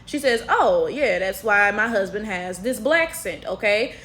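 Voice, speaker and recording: A woman's voice: medium pitch, lively intonation, measured pace, a bit bright. An American woman hosting a casual commentary, explaining points step by step and checking in with viewers as she goes. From United States. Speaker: commentary host.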